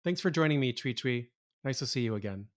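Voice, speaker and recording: Guy hosting a podcast, measured, reads his intro then asks easy questions. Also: medium pitch, expressive. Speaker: podcast host. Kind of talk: scripted intro, then casual interview questions.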